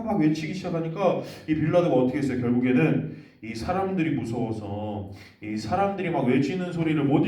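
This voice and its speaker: Guy doing a kids sermon, asks lots of questions, warm low tone, echoey room kinda far off. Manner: asks children questions, storytelling. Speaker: children's ministry preacher. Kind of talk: children's sermon.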